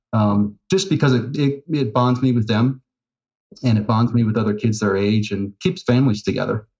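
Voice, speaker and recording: With an American accent, this unremarkable speaking voice keeps a very even loudness, a moderate pace and ordinary pitch variation. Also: man, medium pitch for a man. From US Mid-Atlantic (Norfolk, Virginia / Annapolis, Maryland). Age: 40s. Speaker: architect and program participant. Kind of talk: interview.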